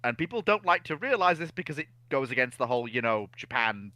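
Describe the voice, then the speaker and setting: Blunt man with bright, forceful voice. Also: mid-range voice, sing-song, fast, dry recording. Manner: blunt, clipped short statements. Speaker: panelist. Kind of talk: casual chat.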